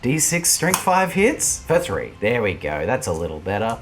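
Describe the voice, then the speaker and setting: An excitable man commentates his tabletop wargame in casual chat. His pitch moves a lot, leaping up at each surprise. He laughs often and talks to his opponent as he plays. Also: normal speed, a little hiss or hum. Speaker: wargame player and channel host.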